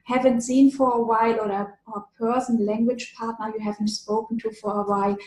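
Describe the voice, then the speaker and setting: A woman's voice: a little high, level tone, brisk, darkish tone. Woman teacher chatting, earnest advice, echoey room. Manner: earnest, advice-giving, thinking aloud. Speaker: language teacher and channel host. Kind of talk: casual video-call interview. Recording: roomy echo.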